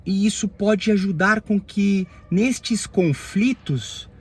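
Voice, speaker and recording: Brazilian man, therapist type, reflective monologue; slightly high, breathy-edged voice, halting delivery. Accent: Brazilian Portuguese. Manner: halting, phrase-by-phrase, frequent tag questions.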